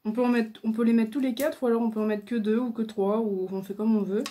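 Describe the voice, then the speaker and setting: A woman's voice: a little high, steady tone, fast, mellow, slight background noise. A woman chatting casually as she shows off her craft supplies, hesitant and full of fillers, recorded at home on a camera mic. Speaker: crafting video host. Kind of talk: casual show-and-tell.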